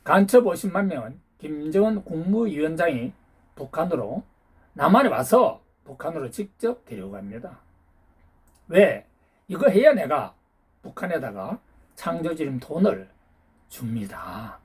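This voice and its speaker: Husky man lecturing with rhetorical questions. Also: fairly high pitch, big pitch swings, moderate pace. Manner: peppers talk with challenging rhetorical questions; lecturing, hectoring tone toward listeners. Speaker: YouTube channel host. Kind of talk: ranting political monologue.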